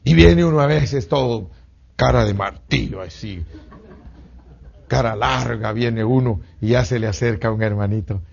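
A man preaching a sermon in an animated way, swinging between loud bursts and hushed asides. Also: mid-range voice, unhurried, gravelly, slightly rough. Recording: dull lo-fi recording.

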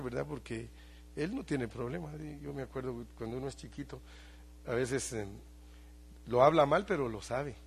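Older male pastor with a husky voice; conversational sermon delivery, asking the congregation questions as he goes. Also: mid-range voice.

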